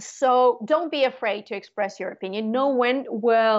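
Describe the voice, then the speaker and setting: A woman with a Russian accent, high-pitched, at a moderate pace, against a quiet background. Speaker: English teacher and teacher trainer; English teacher, teacher trainer. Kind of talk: webinar lecture. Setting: online webinar. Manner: hesitant with frequent fillers. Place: home room. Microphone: earbuds.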